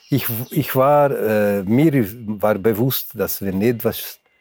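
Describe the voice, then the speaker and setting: A man speaks with an Italian accent at a fairly low pitch. His tone is dark and mellow. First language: Italian (speaking German). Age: 70s. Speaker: retired tunnel engineer. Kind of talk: interview testimony. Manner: halting.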